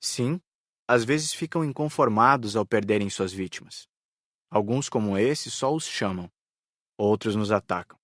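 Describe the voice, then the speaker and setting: A Brazilian man playing a calm, matter-of-fact spirit rescue worker in an audiobook dialogue. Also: fairly low pitch, unhurried, no room sound, clean studio sound. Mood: tranquil.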